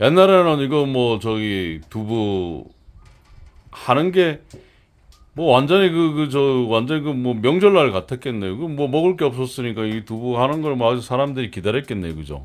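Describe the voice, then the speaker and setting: Very wide pitch swings at a moderate pace. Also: man, medium pitch for a man. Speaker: farmer. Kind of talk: casual conversation.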